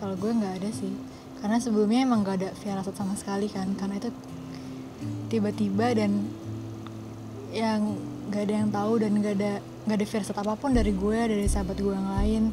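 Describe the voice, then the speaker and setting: A woman's voice: medium pitch, flat delivery, quick pace, long pauses, noisy background. A woman, speaking in a subdued, regretful way. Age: 20s. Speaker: panel guest. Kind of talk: casual conversation. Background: music.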